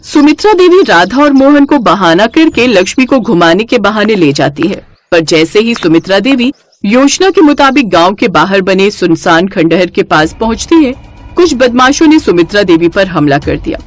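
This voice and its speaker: A woman narrating a cartoon moral story for children in a lively storytelling way. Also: medium pitch, normal speed.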